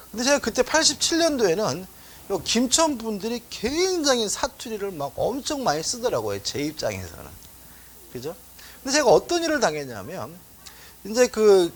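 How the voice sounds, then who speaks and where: Animated middle-aged male law lecturer. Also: high-pitched. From Seoul, South Korea. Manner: chatty, asks rhetorical questions, tells anecdotes. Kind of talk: exam-prep lecture.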